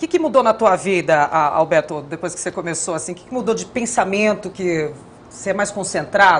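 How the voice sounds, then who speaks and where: Speaking at a fairly quick pace, a woman with a medium pitch uses lively intonation and big swings in loudness. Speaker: TV talk show host. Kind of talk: TV studio interview.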